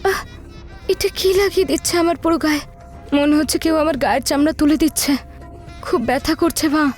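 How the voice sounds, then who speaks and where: একজন মহিলা অডিও ভূতের গল্পে যন্ত্রণায় কাতর গ্রামের তরুণী কনের ভূমিকায় অভিনয় করছেন।. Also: female voice, sits high, steady tone, a little fast, soft background music, lightly acted. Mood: agonised. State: in pain. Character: young village bride crying out in pain. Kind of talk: audio horror story dialogue.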